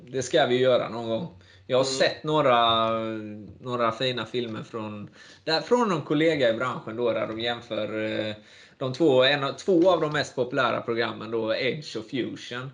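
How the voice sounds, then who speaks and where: Here a man speaks in a plain, everyday voice at a medium pitch. His pace is moderate and his pitch variation ordinary. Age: 20s. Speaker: podcast host, cutting tool specialist. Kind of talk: casual chat.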